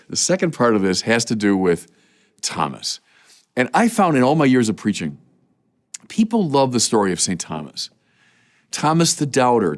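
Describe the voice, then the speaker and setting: A middle-aged man, a bishop, preaching a sermon with emphatic, rhetorical repetitions. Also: mid-range voice.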